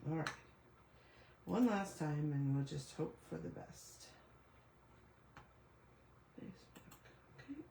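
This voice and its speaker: A middle-aged woman with a raspy voice, recovering from a cough, chatting casually through a live paper craft demo and apologizing for her computer trouble. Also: low-pitched, expressive, slow, long pauses, dark tone. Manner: chatty, apologetic, thinking aloud over tech trouble. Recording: echoey room with faint noise.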